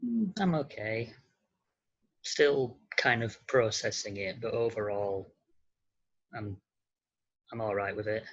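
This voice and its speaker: A man talking casually as an interview guest, hesitant and halting, with an understated way of speaking. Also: fairly low pitch, a bit bright, muffled recording. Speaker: podcast guest, model and actor.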